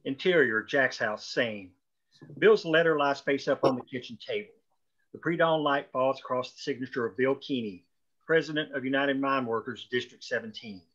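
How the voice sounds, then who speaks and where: A man's voice: mid-range voice, normal speed, fairly bright tone. A man reading stage directions as scripted narration at a table read. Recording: dull, lo-fi.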